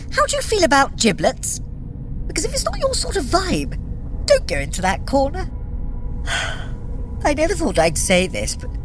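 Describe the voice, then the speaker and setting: Swooping, wry trickster god. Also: female voice, fairly high pitch. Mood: weary, wistful. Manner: theatrical, sardonic, drawling asides. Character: wry, theatrical trickster god, sardonic and self-pitying. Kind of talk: immersive audio adventure acting, addressing the listener.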